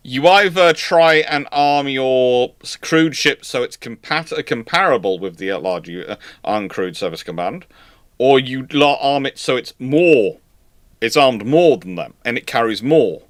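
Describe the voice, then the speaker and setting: Male history streamer, mid-pitched voice, casual and rambling delivery with repeated restarts, dry recording. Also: expressive, no room sound. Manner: halting, rambling, repeats and rephrases words. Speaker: livestream host, naval historian. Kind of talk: casual chat, answering viewer questions.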